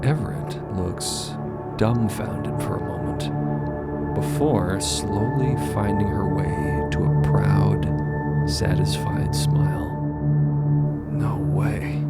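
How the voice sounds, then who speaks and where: A man narrating a scripted audio drama in a measured way. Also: on the low side, loud music behind the voice.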